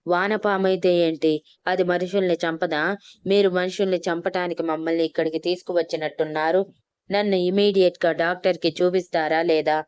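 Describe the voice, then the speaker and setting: A woman's voice: on the low side, fairly even intonation, fairly quick, darkish tone, clear, resonant tone, dry recording, natural voice. A woman voicing a spoiled young woman who talks in a tearful, demanding way in an audio story.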